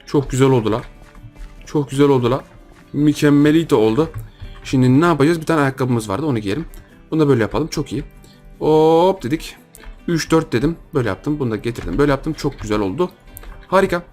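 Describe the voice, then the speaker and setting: A young man giving jokey, excitable Minecraft gameplay commentary, talking to viewers and teasing his opponents. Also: medium pitch, fast, soft background music. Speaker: gaming YouTuber.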